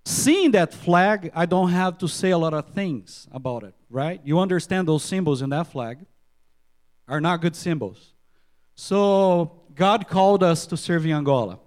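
A middle-aged man with a Portuguese-speaking accent, a missionary doctor giving an earnest church presentation with halting restarts and repeated words. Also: fairly high pitch, expressive, a little mellow. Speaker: missionary physician.

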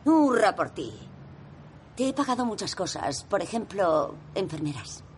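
A woman's voice: medium pitch, big pitch swings, measured pace, slight background noise. An actress dubbing a cutting, sarcastic middle-aged mother. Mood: cold. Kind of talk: Spanish film dub.

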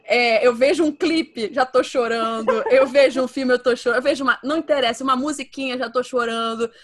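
A woman's voice: high voice, a little fast. A woman with a Brazilian accent, co-hosting a podcast in casual chat and telling stories with lots of laughter. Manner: animated storyteller, laughs often. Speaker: podcast co-host.

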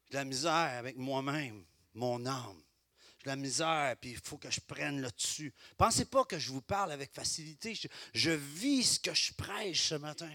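A middle-aged man with a Québécois French accent preaching a sermon as pastor, swinging between loud exclamations and quiet, confiding asides. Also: on the high side, expressive, moderate pace, no echo, clean studio sound.

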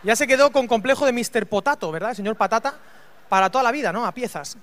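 A man delivers a lively storytelling sermon. His voice sits very high and sounds bright and forceful. He jokes and acts out the scenes as he goes. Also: fast. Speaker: preacher.

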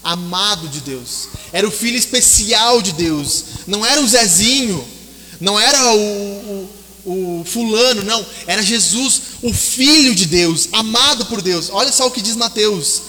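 Guy preaching, high bright voice, dramatic storytelling, reverby hall sound. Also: normal speed. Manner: dramatic storytelling, drops to soft low tones for quoted voices. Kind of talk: sermon.

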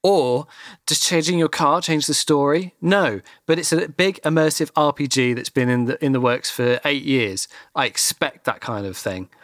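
Man, animated ranting, swearing, slightly high voice, dry sound. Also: moderate pace, dry recording. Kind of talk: casual chat.

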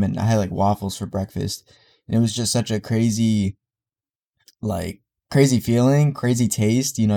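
Young guy podcasting solo, stuffy nose, lowish mellow voice, lots of ums and restarts. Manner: rambling, many fillers and restarts. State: congested. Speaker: podcast host. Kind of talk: solo casual podcast monologue.

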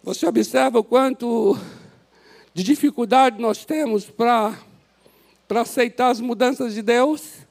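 A male pastor with a Brazilian Portuguese accent, preaching an impassioned sermon that swings from loud exhortation to soft, prayerful pleading in a church. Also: extremely high pitch, measured pace, gravelly. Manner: impassioned, rises to shouts then drops to soft prayer. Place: church sanctuary.

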